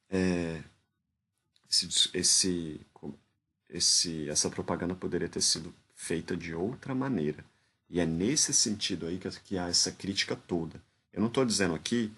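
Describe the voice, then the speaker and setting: A man's voice: deep voice, fairly bright tone, breathy edge. A man with a Brazilian Portuguese accent gives informal spoken commentary analyzing a speech. He talks hesitantly, restarts phrases often and keeps adding tag questions.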